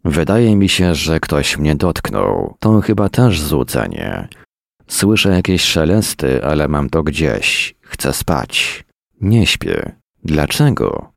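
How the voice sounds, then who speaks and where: A man reading a first-person story in a weary, deadpan manner at a close mic. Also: very deep voice, slow pace, creaky, no echo. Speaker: narrator.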